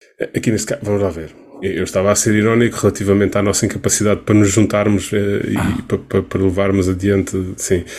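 A man's very fast, monotone voice, fairly low in pitch and flat in intonation, over noticeable background noise. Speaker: podcast host. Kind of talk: casual chat.

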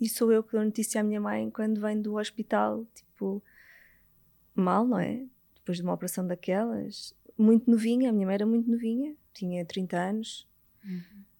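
On a very clean recording with a silent background, a woman speaks at a moderate pace. Her fairly high voice has a dark, mellow tone and fairly even intonation. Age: 40s. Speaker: podcast guest, host's cousin. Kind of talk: personal life story interview.

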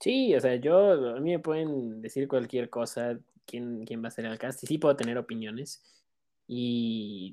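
Over a quiet background, a man with a medium pitch and a dark, mellow tone talks at a fairly slow pace with ordinary pitch variation. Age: 20s. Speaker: podcast host. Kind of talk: casual chat. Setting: studio.

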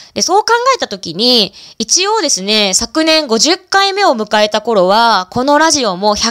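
The pitch swings very widely. The sound is dry and close with no echo. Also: woman. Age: 30s. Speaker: podcast host and office worker. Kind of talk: solo monologue podcast. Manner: polite, formal.

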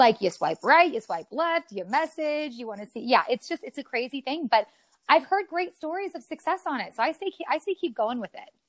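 A woman with an American accent talks in a high voice at a fairly quick pace, animated, with very wide pitch swings and big swings in loudness. The sound is dry and close, with no echo. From Colorado, US. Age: 30s. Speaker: podcast guest, home business owner. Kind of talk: casual chat.

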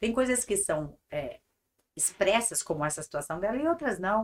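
A woman speaks at a moderate pace with lively intonation. She has a normal speaking voice. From Brazil, Mato Grosso do Sul (Dourados). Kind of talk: interview.

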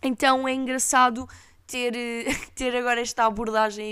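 This woman has a European Portuguese accent. Her intonation is monotone and flat. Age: 20s. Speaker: podcaster. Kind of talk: casual monologue. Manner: rambling with fillers.

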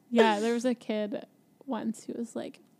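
A woman's fairly high voice with a dark, mellow tone and fairly even intonation. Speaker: therapist, podcast co-host. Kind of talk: casual chat. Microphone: new mic with windscreen.

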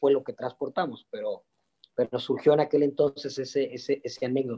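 A man's fairly high-pitched voice, dark and mellow in tone, with ordinary pitch variation, a fairly quick pace and a dry, close sound with no echo. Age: 50s. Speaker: logistics company executive. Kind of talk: interview.

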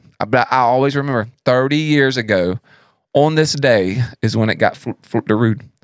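Here is a man with an ordinary speaking voice, pitched medium with ordinary pitch variation. The recording is very clean, with a silent background. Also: moderate pace. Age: 40s. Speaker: podcast co-host. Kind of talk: casual chat.

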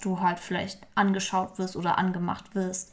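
Somewhat breathy at medium pitch, a woman speaks at a fairly slow pace. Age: 20s. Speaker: podcast host. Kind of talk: casual chat. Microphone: poor sound quality.

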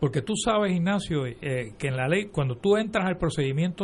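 The speaker goes at a moderate pace with lively intonation. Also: man. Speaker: former senator, panelist. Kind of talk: political panel discussion.

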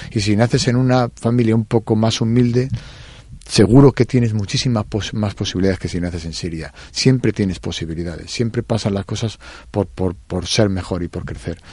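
A fairly low-pitched man with a dark, mellow tone, ordinary pitch variation and a moderate pace, against a quiet background. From Spain. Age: 50s. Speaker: entrepreneur and author. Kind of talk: interview.

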